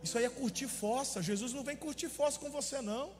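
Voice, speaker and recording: A man's voice: extremely high pitch, fast, darkish tone, long reverb tail. A man preaching a sermon as a pastor, impassioned and acting out the people in his story.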